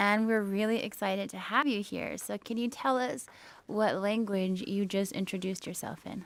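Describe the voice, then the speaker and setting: Her intonation is fairly even and her pace moderate. This woman has a normal speaking voice. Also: medium pitch for a woman. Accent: American. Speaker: radio host. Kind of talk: interview.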